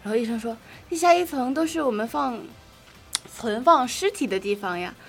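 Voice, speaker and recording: A woman's voice: on the high side, moderate pace, vocal fry, soft background music. A young woman co-hosting a casual chat, telling a ghost story and acting out each character's lines. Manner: animated storyteller, acts out the lines. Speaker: co-host.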